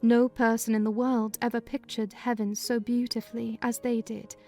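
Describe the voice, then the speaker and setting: A woman narrating a dramatized audiobook reading in a measured storytelling manner. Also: fairly high pitch, little pitch movement, darkish tone, faint music behind.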